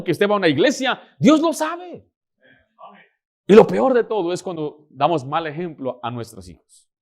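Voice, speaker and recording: A man with a slightly high voice preaches a sermon, telling a personal story and acting out the dialogue with lively energy.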